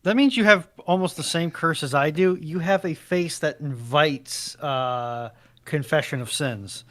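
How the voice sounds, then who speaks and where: A man's voice: a little high, a little slow, fairly bright tone. A man chatting casually as a panel guest, with a wry, bantering manner. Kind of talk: casual chat.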